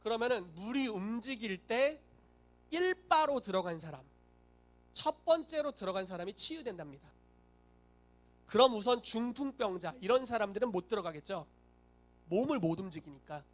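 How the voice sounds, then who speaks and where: A man's voice: high-pitched, expressive, normal speed, long pauses. A male pastor preaching a sermon, telling the story animatedly and acting out the voices he quotes.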